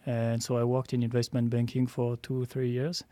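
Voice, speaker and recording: Flat, mellow-voiced French man. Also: mid-range voice, dry recording. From France. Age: 30s. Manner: measured, laughs at his own remarks. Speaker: startup co-founder. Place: studio.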